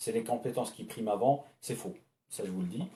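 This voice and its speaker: Speaking at a very fast pace, a man uses a dark, mellow tone at medium pitch with ordinary pitch variation. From North Africa, Algeria. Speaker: YouTuber. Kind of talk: livestream monologue. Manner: halting.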